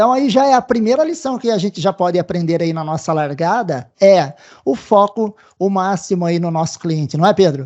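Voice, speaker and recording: The speaker has a Brazilian accent. The intonation is lively. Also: man, high pitch for a man, moderate pace. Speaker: podcast host. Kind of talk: interview conversation. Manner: enthusiastic.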